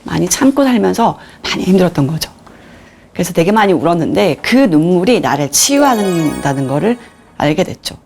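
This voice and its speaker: A woman in her forties gives a lecture, telling her own life story openly and acting out the people she quotes. Her voice sits on the low side and moves widely up and down. It carries a gravelly edge. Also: fairly quick, faint music behind. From Korea. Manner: candid, animated storytelling, acts out quoted voices. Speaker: lecturer on nonviolent communication. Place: lecture hall.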